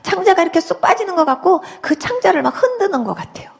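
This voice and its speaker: High, lively woman giving testimony. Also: fast talker, creaky. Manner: animated storytelling, acting out her own past words. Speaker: church testimony speaker. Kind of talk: emotional religious testimony.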